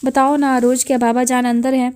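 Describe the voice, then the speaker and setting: A woman's voice: sits high, flat delivery, darkish tone, clean tone, lightly acted. A woman voicing a grieving middle-aged woman who pleads through tears for her father's forgiveness in an audiobook. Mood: pleading. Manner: pleading, tearful.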